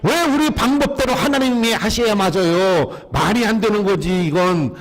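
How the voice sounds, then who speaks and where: Delivering a sermon at a moderate pace in the long-reverb space of a church sanctuary, a high-voiced male pastor keeps asking his congregation questions. He also has them repeat his lines back.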